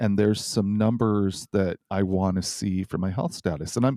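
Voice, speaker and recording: A man's fairly low-pitched voice with an American accent, dark and mellow in tone, at a moderate pace with ordinary pitch variation, in a dry, close sound with no echo. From US Midwest, northern Indiana. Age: 60s. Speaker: podcast host, cyclist. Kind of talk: interview conversation.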